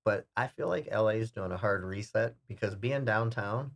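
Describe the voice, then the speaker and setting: A man's voice: lowish voice, normal speed, creaky. A man co-hosting a podcast, telling rambling stories and often repeating his words. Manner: rambling storyteller, repeats himself. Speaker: podcast co-host. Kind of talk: casual podcast chat.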